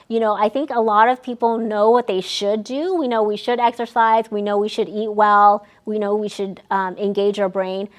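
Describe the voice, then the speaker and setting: A young adult woman, a research staff member, gives an educational talk to older adults, explaining with frequent ums and restarts. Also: on the high side. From United States. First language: Vietnamese.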